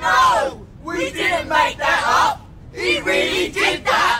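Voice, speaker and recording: A put-on character voice, high in pitch, moves at a very slow pace with very wide pitch swings. Loud background noise runs underneath. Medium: audio drama.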